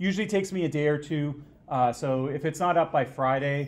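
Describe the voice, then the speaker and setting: A male speaker with normal, everyday pitch movement. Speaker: university lecturer. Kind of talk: lecture. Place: classroom.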